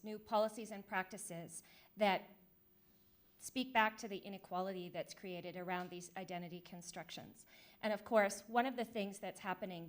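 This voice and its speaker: A woman educator giving an earnest, measured academic talk at a conference. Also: mid-range voice. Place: lecture hall at a law school.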